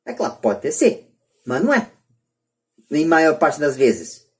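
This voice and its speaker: A man's voice: fairly high pitch, huge pitch swings, a little slow, a little mellow. A man with a Brazilian accent talking earnestly and emphatically on a podcast, repeating himself to press his points. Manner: emphatic, repetitive. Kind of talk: earnest opinionated podcast talk. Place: at home, remote group call.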